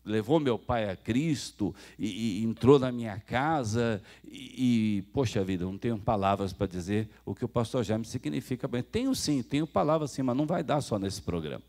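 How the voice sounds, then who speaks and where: Animated Brazilian preacher, man. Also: medium pitch, moderate pace, hardly any pauses. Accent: Brazilian Portuguese. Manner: storytelling preacher who acts out quoted dialogue; addresses the congregation directly. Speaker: pastor. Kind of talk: sermon.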